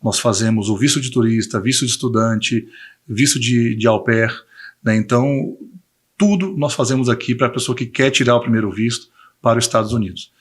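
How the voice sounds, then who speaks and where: A man in his forties from Bahia, with a Brazilian accent and a husky voice, answering conversationally as an interview guest and often adding tag questions. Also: mid-range voice, fairly quick. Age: 40s. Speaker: interview guest, visa consultancy owner.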